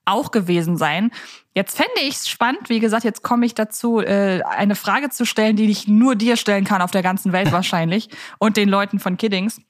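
A woman's voice: medium pitch, moderate pace. Woman hosting a casual podcast. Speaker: podcast host.

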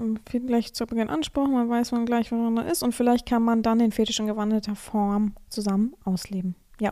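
Hoarse woman, frank podcast host. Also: fairly high pitch, dark tone. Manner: frank, advising listeners directly. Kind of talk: casual podcast monologue, reading a listener's letter aloud.

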